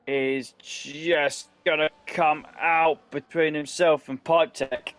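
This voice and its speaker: A man co-commentating live on a motor race, pausing often as he reads out gaps and strategy. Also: fairly high pitch, level tone, a bit bright, dry recording.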